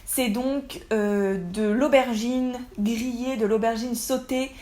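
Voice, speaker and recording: A woman's voice: on the high side, steady tone, takes it slowly, warm tone. A young woman narrating a casual travel vlog, chatty and enthusiastic as she gushes about food. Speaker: travel vlogger.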